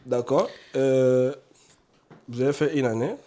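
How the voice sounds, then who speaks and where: A man's voice: medium pitch, fairly even intonation, unhurried, warm tone. A man hosting a casual live podcast chat, stuffy with a cold, tossing in jokey asides and a repeated catchphrase. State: has a cold. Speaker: podcast host. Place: studio. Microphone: podcast microphone.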